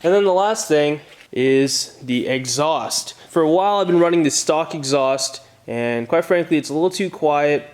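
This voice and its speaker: A man's voice: a little high, moderate pace. A man hosting a casual how-to vlog, explaining things in an informal, plain-spoken way. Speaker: host of a car DIY channel.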